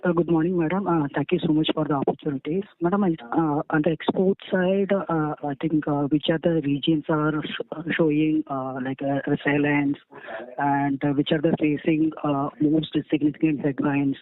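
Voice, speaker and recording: A man working as a financial analyst asks questions on an earnings call in a halting, deferential, repetitive way. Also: on the high side, fairly even intonation. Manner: halting, deferential, repeats himself. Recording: tinny phone line.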